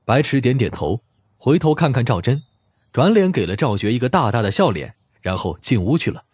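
Male audiobook narrator with lively intonation. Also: mid-range voice, a little fast, husky, dry recording. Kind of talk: scripted narration of a mystery novel.

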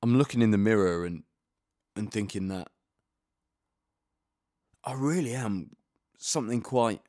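A male actor playing a vain young man musing over his own looks in a hushed, self-absorbed way. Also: on the low side, a little slow, no room sound, studio quality, pitched below the performer's own voice, lightly acted. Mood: self-admiring.

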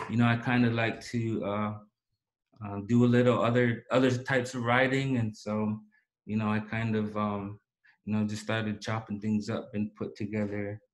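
Man in his thirties, low voice, flat delivery, halting with fillers, webcam in a small room. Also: a little hiss or hum, rough recording. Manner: halting, many fillers and restarts. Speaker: poetry reading host. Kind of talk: casual hosting and poetry reading. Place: small indoor room with banner backdrop.

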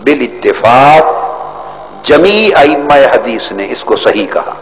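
An older man, a religious scholar, giving a formal hadith lesson from a podium, measured and scholarly with emphatic rises. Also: mid-range voice, big pitch swings, a bit bright. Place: large outdoor stadium stage. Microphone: podium microphones. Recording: hall echo, faint background noise.

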